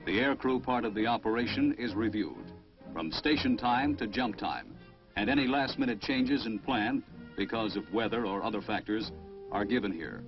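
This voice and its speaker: A man's voice: fairly low pitch, normal speed. A man with an American accent reading scripted narration for a military documentary. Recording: dull vintage film soundtrack. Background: prominent music.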